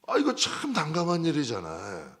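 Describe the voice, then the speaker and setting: A male pastor preaching a midweek sermon in a conversational way, swinging between loud outbursts and soft asides, acting out prayers and dialogue. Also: on the high side, wildly swooping pitch, moderate pace. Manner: acts out prayers and dialogue in a raised voice.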